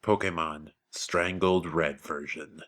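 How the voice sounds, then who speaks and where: A man voicing the ominous text of a creepy hacked game, announcing it slowly. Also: very deep voice, steady tone, a bit bright, pitched below the performer's own voice, full character voice.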